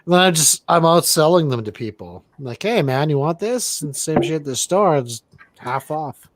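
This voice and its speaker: A man co-hosting a casual movie-review chat, rambling and deadpan, with casual swearing. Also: on the high side, moderate pace, no echo. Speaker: podcast co-host.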